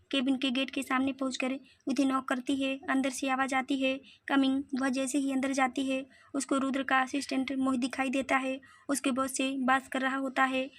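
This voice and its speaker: A woman narrating a read-aloud audio story in an even, steady reading. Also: sits high, dry recording.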